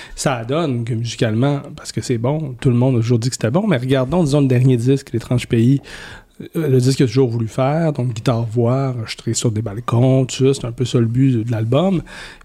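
Speaking fairly quickly with a Quebec accent, a man has a dark, mellow, somewhat breathy tone and fairly even intonation. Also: medium pitch for a man. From Montreal, Quebec. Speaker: music journalist and author. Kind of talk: casual chat.

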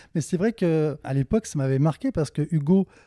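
Recorded very cleanly against a silent background, a man speaks in a dark, mellow tone with a dry, close sound and no echo. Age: 30s. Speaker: podcast guest. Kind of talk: casual chat.

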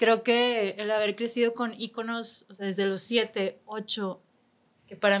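A woman's fairly high-pitched, unremarkable speaking voice with fairly even intonation. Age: 40s. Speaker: podcast co-host. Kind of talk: casual chat.

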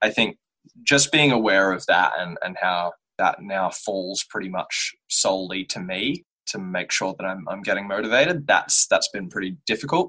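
At a moderate pace, a man speaks with an Australian accent in a dry, close sound with no echo. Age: 20s. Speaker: podcast guest. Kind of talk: casual chat. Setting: video call.

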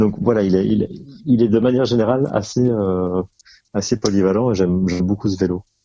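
With a dark, mellow tone and fairly low pitch, a man speaks at a fairly quick pace, his intonation fairly even and his loudness very even. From Belgium, Brussels. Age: 30s. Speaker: ultra-distance cyclist. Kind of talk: interview. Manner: halting, many filler words.

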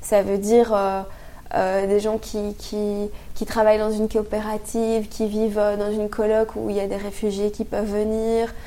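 A woman speaks fairly slowly with hardly any pauses, her fairly high voice dark and mellow in tone. Her intonation is monotone and flat. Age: 30s. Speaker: lawyer and citizen-assembly politician. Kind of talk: interview.

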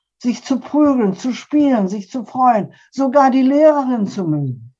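At a fairly slow pace, the speech carries a dark, mellow tone with ordinary pitch variation. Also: woman. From grew up in Poland, then West Germany from 1947. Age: 80s+. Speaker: sociologist and professor. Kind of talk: interview. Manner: long, expansive answers.

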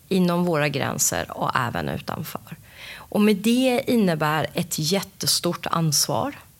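Vocal fry runs through this fairly slow delivery, which has lively intonation. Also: woman, fairly low pitch for a woman. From Sweden, Persian background. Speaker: sustainability manager in the armed forces. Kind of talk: interview, casual chat.

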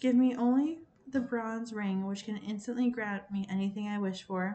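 The voice is somewhat breathy, with ordinary pitch variation, and the pace is fairly slow. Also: woman. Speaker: podcast host. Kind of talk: fairy-tale narration read aloud from a book, with casual chat in intro and outro. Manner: storyteller pacing, shifting to dialogue lines in measured, expressive tone; casual, filler-heavy (um), chatty in asides.

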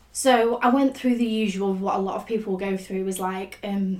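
Noticeable background noise sits behind the speech. A woman at a medium pitch talks at a moderate pace with fairly even intonation. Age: 20s. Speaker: aspiring actress. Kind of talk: casual chat.

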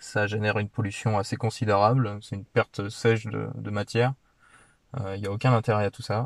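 A man talks at a fairly low pitch with monotone, flat intonation. The sound is dry and close, with no echo. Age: 20s. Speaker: startup co-founder, engineering graduate. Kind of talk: interview. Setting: remote recording. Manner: halting, frequent repetitions and hesitations.

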